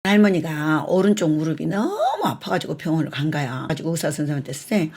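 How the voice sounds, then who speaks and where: A woman humor lecturer telling a string of jokes in a lively, dialect-tinged stand-up style. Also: sits low, quick pace, breathy edge.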